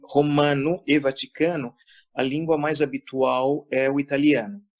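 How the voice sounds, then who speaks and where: A man with a Spanish accent talks at a fairly high pitch. The sound is dry and close, with no echo. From Brazil. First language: Spanish (speaking Portuguese). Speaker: Benedictine monk and priest. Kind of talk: interview. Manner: hesitant with fillers.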